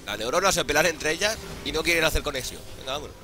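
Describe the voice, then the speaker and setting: A man's voice: on the high side, expressive, fast talker, bright, forceful tone, a little hiss or hum. A hungover man with an accent from Spain giving casual, jokey, foul-mouthed gameplay commentary. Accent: Spanish (Spain). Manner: crude, jokey, profane slang. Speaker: gaming YouTuber.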